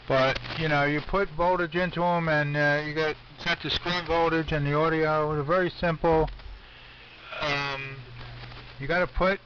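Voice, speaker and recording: A man talking as an amateur radio operator over shortwave AM, explaining technical things in an informal, halting way. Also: fairly high pitch, pushed and bright, dull audio. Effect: shortwave AM radio transmission. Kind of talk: casual technical ham radio chat. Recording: distant, band-limited, faintly noisy shortwave signal.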